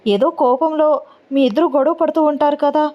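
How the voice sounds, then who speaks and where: A woman's voice: high-pitched, fairly even intonation, moderate pace, muffled recording, pitched above the performer's own voice, lightly acted. A woman voicing a wry, teasing middle-aged aunt.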